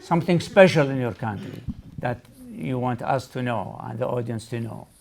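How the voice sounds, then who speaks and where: Gravelly-voiced man hosting a discussion. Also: medium pitch, moderate pace, darkish tone. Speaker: host. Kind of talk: moderating a group discussion.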